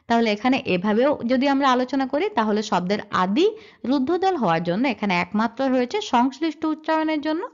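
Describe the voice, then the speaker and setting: Woman teacher, patient lesson, checks understanding often, slightly high voice, muffled lo-fi recording. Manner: patient, repeats steps and checks in with 'ঠিক আছে?'. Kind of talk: Bengali grammar lesson, explaining verse meter. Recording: dull lo-fi voice recording.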